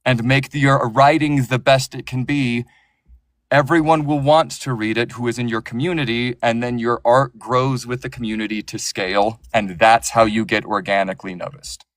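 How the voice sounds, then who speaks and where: A man's voice: mid-range voice, fairly even intonation, moderate pace, fairly bright tone, no room sound, poor audio. A man who narrates audiobooks, talking passionately and with strong opinions in a casual interview, often restarting his sentences.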